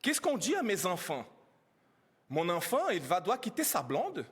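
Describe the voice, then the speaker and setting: A man's voice: high voice, wildly swooping pitch, measured pace, fairly bright tone, husky. A man whose first language is not French, giving emotional, pleading testimony at a press conference, asking many rhetorical questions. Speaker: immigrant speaking at a press conference. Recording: reverberant hall.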